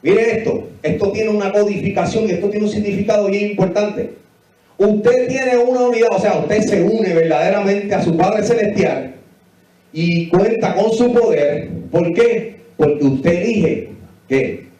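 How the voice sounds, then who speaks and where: A man's voice: sits high, unhurried, mellow, recorded from a distance. A man in his forties preaching a Bible teaching sermon, emphatic and repetitive, often asking the congregation questions. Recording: echoey hall, voice picked up from afar.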